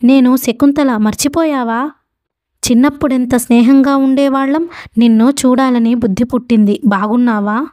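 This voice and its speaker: A woman's voice: sits high, steady tone, normal speed, warm tone, dry recording, studio quality, lightly acted. A woman voicing a poor young mother who speaks politely and pleadingly.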